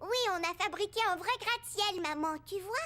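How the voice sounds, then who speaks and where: A woman's voice: very high-pitched, fairly quick, bright, forceful tone. A woman voicing a curious, cheerful four-year-old boy in a cartoon, asking eager childlike questions. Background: music.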